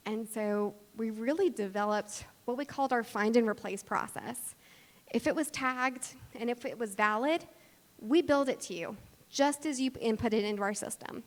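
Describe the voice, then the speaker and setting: A woman giving an explanatory conference presentation as a practitioner speaking to an audience. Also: fairly high pitch. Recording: long hall reverb.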